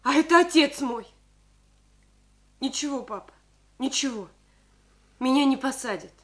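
An actress playing an earnest, pleading young daughter in a radio play, with a soft way of speaking. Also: female voice, sits high, unhurried. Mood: defiant. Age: young adult.

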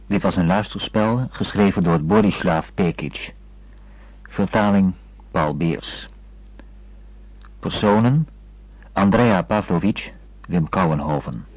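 A man reading scripted radio credits as a formal, measured announcer. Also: low-pitched, a little mellow, no room sound. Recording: dull, dry lo-fi radio recording.

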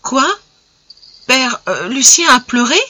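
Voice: mid-range voice, slow, a bit bright. A storybook narrator reading the part of a shy young woman who hesitates and breaks off, too afraid to confess. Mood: hesitant.

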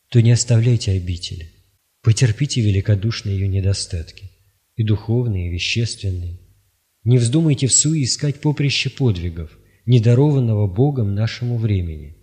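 A man reading spiritual writings aloud in a measured, solemn, even delivery. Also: mid-range voice. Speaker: audiobook reader.

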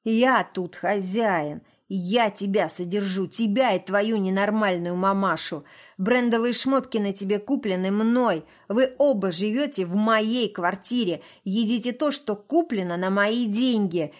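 A woman's voice: medium pitch, unhurried, lightly acted. A woman reading the part of a drunk, abusive middle-aged husband who hisses, sneers and growls. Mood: menacing.

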